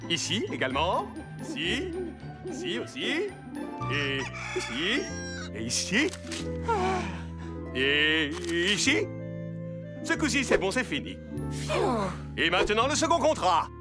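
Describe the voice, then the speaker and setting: Flamboyant sarcastic cartoon showman host, super high voice, all over the place, music behind. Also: wildly swooping pitch, takes it slowly, long pauses, heavily acted. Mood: bossy, gleeful. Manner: theatrical, pompous, mocking. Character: flamboyant, sarcastic male TV makeover show host and magician. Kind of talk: French-dubbed cartoon acting.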